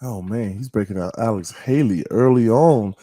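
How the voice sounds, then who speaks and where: A man hosting a casual interview, asking teasing, animated questions. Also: on the low side, normal speed, dry recording. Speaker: podcast host.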